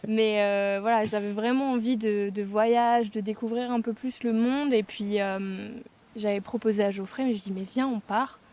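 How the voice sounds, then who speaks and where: Mid-pitched Frenchwoman in casual chat. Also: steady tone, normal speed, darkish tone. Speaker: vlogger telling a life story with partner.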